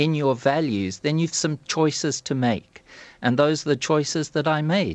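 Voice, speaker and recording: A man speaks in a plain, everyday voice, fairly high-pitched, at a moderate pace with ordinary pitch variation. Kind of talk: interview.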